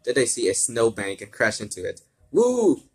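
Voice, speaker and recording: A man's voice: lowish voice, fairly even intonation, brisk, husky. A man reading fan fiction aloud with casual asides, often stumbling over words and repeating himself.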